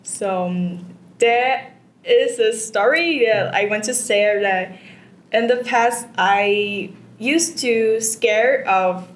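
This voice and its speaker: A young Vietnamese woman, not a native English speaker, answers exam questions as a test candidate. Her voice is slightly high and slow, and she hesitates a lot, using many fillers and repetitions. The room is echoey with faint background noise.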